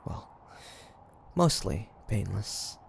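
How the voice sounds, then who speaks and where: A man playing a cocky, stubborn demon hunter of the 1850s in a dramatic audio roleplay, theatrical and halting. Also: on the low side, very animated, gravelly, slight background noise, exaggerated voice. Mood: taunting, smug. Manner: theatrical, taunting, halting with sighs and pauses.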